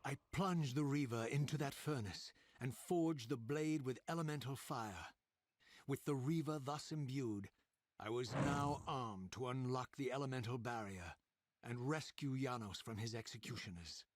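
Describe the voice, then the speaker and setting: An actor playing a vengeful, brooding undead male wraith, narrating a game cutscene in a grave, bitter, measured way. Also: mid-range voice, no echo, studio quality, close to an everyday voice. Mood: grim resolve. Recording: game cutscene with loud music. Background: music.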